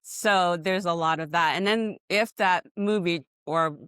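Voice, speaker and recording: A woman's voice: fairly low pitch, unhurried, fairly bright tone, clear, resonant tone, no room sound, clean studio sound. Effusive woman host, Japanese native speaker. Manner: effusive, giggly. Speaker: podcast host. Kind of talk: friendly interview hosting.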